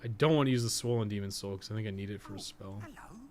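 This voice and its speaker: A man's voice: lowish voice, very fast, music in the background. A man doing casual livestream commentary on a video game, rambling and muttering his thoughts aloud as he plays. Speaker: host of a game guide livestream.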